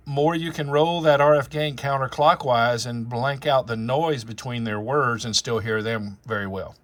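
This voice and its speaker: A man's voice: medium pitch, fairly bright tone. A man hosting an amateur radio channel, talking casually and explaining things in a rambling, conversational way. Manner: rambling, conversational, spells out call signs and jargon. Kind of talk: casual explanatory vlog talk.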